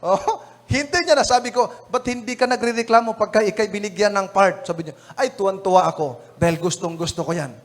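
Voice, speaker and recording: High-pitched laughing Filipino evangelist. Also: male voice, brisk. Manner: chatty, laughing, often says "mga kapatid". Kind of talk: Filipino sermon lesson review with anecdotes.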